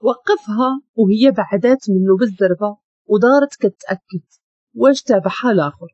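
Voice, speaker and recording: A woman with a Moroccan accent narrating a dramatic story in an expressive reading. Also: medium pitch, moderate pace, breathy edge, dry recording. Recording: dull lo-fi dry recording.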